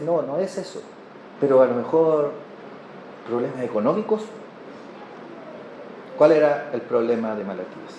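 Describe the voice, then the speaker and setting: A man with a Chilean Spanish accent delivers a sermon in a somewhat high voice, often turning to his listeners with rhetorical questions. The sound is roomy and echoey, with a faint hiss of background noise underneath. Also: warm tone. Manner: asks the congregation rhetorical questions, storytelling tone. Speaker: preacher.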